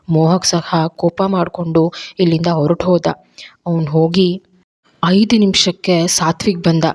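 A woman's voice: fairly low pitch, a little mellow. A woman voicing a young female college student who earnestly recounts what happened.

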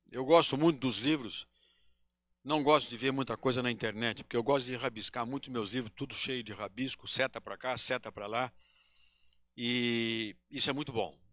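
An older man from Brazil gives a spiritist lecture from a podium into a handheld microphone. His voice is bright and slightly raised, and he speaks very slowly. He pauses often and corrects himself mid-sentence, and the sound stays dry and close despite the small hall. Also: medium pitch. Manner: slow, halting, with many pauses and self-corrections. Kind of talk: devotional lecture.

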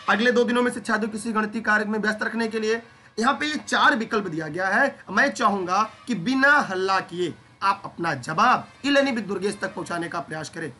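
A young man teaching an online exam-prep class who talks lively and keeps putting questions to his students. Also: high-pitched, a little hiss or hum.

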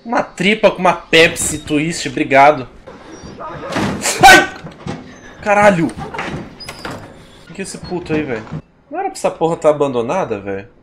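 A man in his thirties from Brazil streaming a horror game, swearing constantly and yelping in fright, his voice going hoarse. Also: fairly high pitch, sing-song, normal speed, long pauses, background noise. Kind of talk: live gameplay commentary. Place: home streaming room. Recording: game music underneath.

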